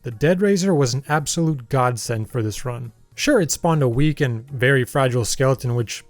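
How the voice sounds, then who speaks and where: A man's voice: mid-range voice, moderate pace, dry recording, faint music behind. A young man narrating his gameplay in a voice-over, with dry, self-deprecating humor. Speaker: gaming YouTuber narrating his playthrough.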